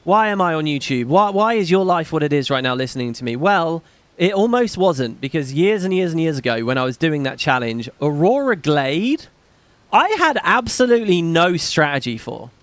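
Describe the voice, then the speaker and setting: A man's voice: on the high side, very animated, normal speed, a bit bright, no room sound. Chatty, sweary man streaming. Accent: slight British. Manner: rambling, profane, self-deprecating. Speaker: gaming streamer host. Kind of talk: casual livestream chat reading donations.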